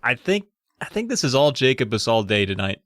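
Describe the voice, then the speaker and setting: A man's voice: mid-range voice, sing-song, fairly quick, a bit bright, no room sound. A man co-hosting a podcast, chatting casually in a musing, hesitant way with dry humor. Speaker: podcast co-host. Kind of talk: casual chat, critiquing book covers.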